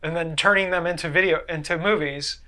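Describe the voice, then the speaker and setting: Guy cohost just chatting, kinda high voice, really bright and punchy. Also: fairly even intonation, fairly quick. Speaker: show co-host. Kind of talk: casual chat about video game movies.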